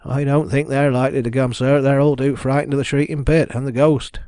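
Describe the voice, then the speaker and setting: A shaken village constable voiced by a male narrator reports in a plain, urgent, respectful way. The voice is mid-pitched and closely recorded, suited to an old detective storybook. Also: level tone, brisk, darkish tone, smooth, no room sound, lightly acted. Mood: doubtful. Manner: urgent, deferential, plain-spoken.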